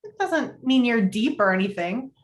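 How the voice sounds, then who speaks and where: A woman's voice: on the high side, expressive, normal speed, close to an everyday voice. A woman playing a practical, earnest young aspiring journalist, a little defensive, in a script table read. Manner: earnest, matter-of-fact, defensive.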